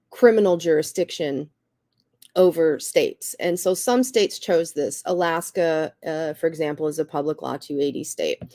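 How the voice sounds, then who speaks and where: A woman with a slightly raspy voice and a cough, earnestly explaining things as a guest speaker, often saying "you know" and "um". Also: deep voice, darkish tone, no echo, studio quality. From Cherokee Nation. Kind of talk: explanatory talk.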